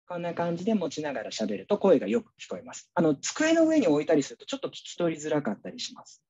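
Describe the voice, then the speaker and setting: Husky man teaching over a video call. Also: fairly high pitch, sing-song, quick pace, mellow, lo-fi sound. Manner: casual, chatty, frequent fillers. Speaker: teacher presenting a workshop. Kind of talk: online teaching workshop demo.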